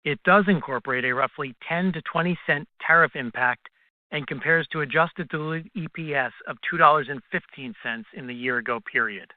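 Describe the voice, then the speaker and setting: A fairly high-pitched male finance executive speaks over a thin, phone-like connection. He reads a scripted financial presentation in a formal, measured manner, as on an earnings call. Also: no room sound. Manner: formal, measured reading of prepared remarks. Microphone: conference call line. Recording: tinny, dry phone conference line.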